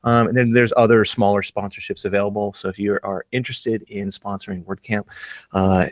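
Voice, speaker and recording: A man's voice: on the low side, fairly even intonation, brisk, no room sound. A man hosting a casual panel chat, upbeat and hesitant, with many fillers. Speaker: host.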